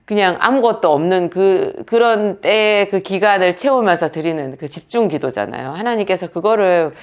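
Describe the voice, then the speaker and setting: A woman, a pharmacist and pastor's wife, gives an earnest prayer lecture and tells stories with quoted dialogue. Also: on the low side.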